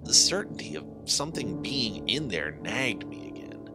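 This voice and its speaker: A man reading a first-person horror story as a scripted, dramatic narration in an expressive, deliberate way. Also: mid-range voice. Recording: background music under the voice. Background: music.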